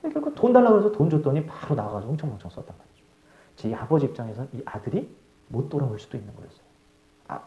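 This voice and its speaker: A man preaching a live sermon as a pastor, telling the story with animated, emphatic delivery in a church hall. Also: sits high. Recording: echoey, dull live church sound.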